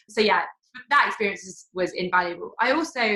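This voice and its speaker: A woman with an English accent talks at a fairly quick pace in a medium pitch. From England. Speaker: ecommerce business co-founder. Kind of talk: podcast interview.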